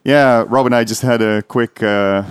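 A man hosting a podcast, asking relaxed, hesitant questions full of fillers. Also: mid-range voice, a little slow, a little hiss or hum. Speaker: podcast host. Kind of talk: casual interview chat.

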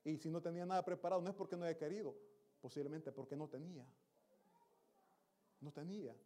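A pastor delivers a Sunday sermon to his congregation, exhorting them and putting questions to them. His voice sits somewhat high for a man. His tone is mellow and relaxed. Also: fast. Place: church service.

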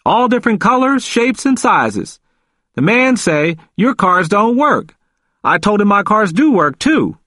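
Man voicing a confused old man, high-pitched and emphatic. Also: big pitch swings, moderate pace, hardly any pauses, fairly bright tone, no room sound, clean studio sound. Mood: excited, defiant. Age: older. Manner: emphatic, repetitive, folksy nonstandard grammar. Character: confused, frightened elderly man pleading in hospital.

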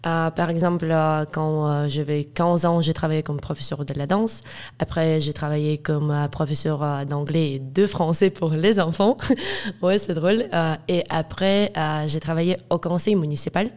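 An eighteen-year-old Ukrainian student, a guest in a casual interview, speaks French as a second language with a Ukrainian accent; her first languages are Russian and Ukrainian. Her voice is deep and darkish, with a steady tone and moderate pace, and she hesitates with lots of fillers and laughter.

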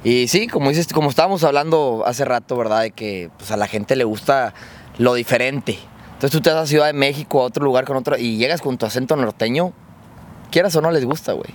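A man's voice: medium pitch, a little fast, a little hiss or hum. A man with a northern Mexican accent, chatting casually on a podcast in slang, full of fillers. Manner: slangy, proud, uses fillers. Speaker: podcast co-host. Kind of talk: casual chat.

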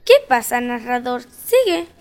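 A woman playing a bossy, fed-up, rebellious little Red Riding Hood in a comic audio story, sassy, impatient and quick to interrupt. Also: on the high side, big pitch swings, no room sound. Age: young girl figure. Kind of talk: comedic audio fiction acting.

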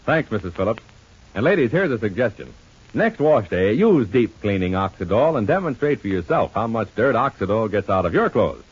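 A man's voice: very animated, normal speed, slightly rough. A man announcing and selling soap in the emphatic style of an old-time radio show, heard through an old muffled radio transcription. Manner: emphatic sales pitch.

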